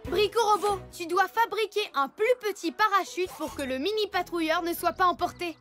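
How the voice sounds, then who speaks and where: A woman's voice: very high-pitched, moderate pace. A woman playing a brave, eager little alien boy who leads a patrol in a children's cartoon, speaking in an earnest, emphatic way. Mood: focused, urgent. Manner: emphatic, earnest, proclaims slogans. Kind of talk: animated children's cartoon dub. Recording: music behind the voice.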